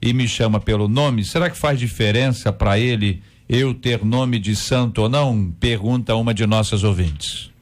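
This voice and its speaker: A man's voice: fairly low pitch, moderate pace, hardly any pauses. A man hosting a radio debate, reading listener messages in a jovial, chatty way. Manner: jovial, chatty, exclaims aloud. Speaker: radio host.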